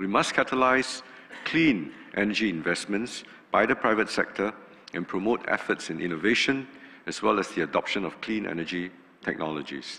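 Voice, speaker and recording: His fairly low voice has a bright, sharp tone, and this man speaks with lively intonation. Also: moderate pace. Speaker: government minister or delegate. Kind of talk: formal conference speech. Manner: formal.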